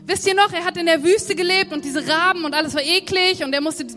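Brief: high-pitched woman preacher, chatty sermon, long hall echo. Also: fast talker, sharp tone. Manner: conversational, addresses the congregation directly. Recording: long hall reverb, faint music.

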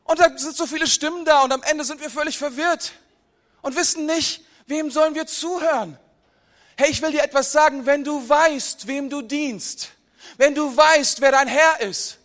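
A man preaching a sermon, lively, chatting with the congregation through asides and questions, sometimes dropping low and quiet for emphasis. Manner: pitch and volume drop low for emphasis. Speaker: pastor.

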